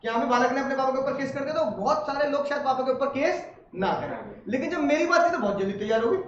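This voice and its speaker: A man's voice: extremely high pitch, quick pace. A male teacher giving a classroom lecture as a comic story. He laughs often and acts out family scenes. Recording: echoey classroom, distant mic, muffled, noisy.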